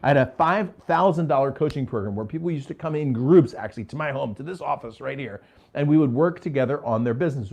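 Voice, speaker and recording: A man's voice: fairly high pitch, a little mellow. A middle-aged man, a business coach, telling stories from his career in a home office in a casual way, often checking in with "okay?". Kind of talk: storytelling business talk to a live audience.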